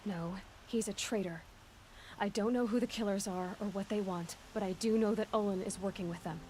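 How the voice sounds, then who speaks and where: A woman's voice: mid-range voice, a little fast, dark tone, slight background noise, lightly acted. A woman playing a determined young tribal warrior woman. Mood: firm. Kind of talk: cinematic video game acting.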